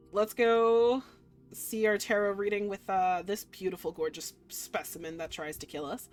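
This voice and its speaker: A young woman reading a dark visual novel aloud in dramatic first person, breaking off for giggly asides. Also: mid-range voice. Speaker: streamer playing a game.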